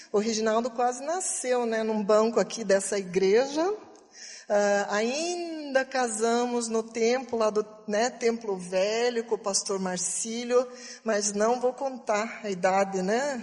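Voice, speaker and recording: A woman with a strong Curitiba accent at a very slow pace and fairly high pitch, ordinary pitch variation, over noticeable background noise. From Brazil, Curitiba. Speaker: missionary, pastor's wife. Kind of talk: church testimony. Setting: church.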